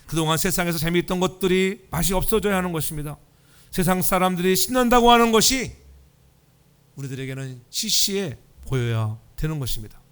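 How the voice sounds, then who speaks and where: A male pastor delivers a Sunday sermon from a church, his voice sitting a little higher than most men's. He preaches conversationally, tells stories with a light touch of humor, and keeps prompting the congregation to respond. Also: animated, brisk, a bit bright, clear, resonant tone. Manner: humorous storytelling. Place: church sanctuary.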